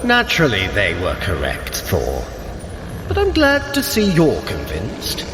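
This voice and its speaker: An actor playing a sly, haughty trickster god in an audio adventure, precise, formal and theatrical. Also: male voice, on the low side, huge pitch swings, unhurried, roomy sound, long reverb tail, background noise. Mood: haughty, urgent. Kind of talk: scripted audio adventure acting.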